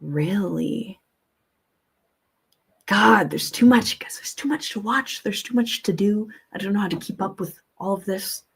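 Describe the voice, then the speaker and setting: With a gravelly, husky, mid-range voice and a measured pace, a woman hosts a casual livestream. She's blunt, informal, and liberal with swearing, rambling as she thinks aloud, commenting, and reading viewer comments.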